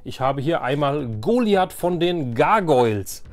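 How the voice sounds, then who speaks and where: A man's voice: fairly high pitch, lively intonation, a little slow. A man hosting a casual show-and-tell collecting vlog, enthusiastic and rambling, often repeating himself. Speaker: host of a toy collecting channel.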